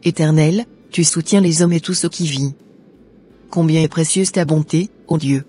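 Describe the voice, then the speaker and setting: A woman's voice: sits low, normal speed, dark tone, slightly rough, faint music behind. A woman voicing a devout, earnest young Christian woman in a cartoon, speaking in a pious way. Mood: prayerful. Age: young adult.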